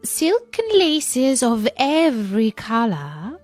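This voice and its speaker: Wicked queen posing as an old peddler, voiced by a woman, wheedling, sing-song, high and strained, dry sound. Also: wildly swooping pitch, takes it slowly, darkish tone, dry recording, soft background music, full character voice.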